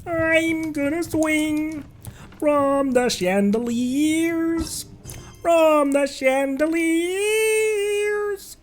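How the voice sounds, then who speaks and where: Guy doing a goofy high frog puppet voice, slow singsong, kinda silly. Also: soft background music, heavily acted.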